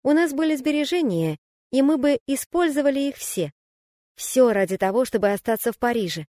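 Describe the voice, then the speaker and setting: A woman reading a first-person memoir aloud as an audiobook narrator, in a calm, even and reflective way. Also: high voice, brisk, dry recording, studio quality.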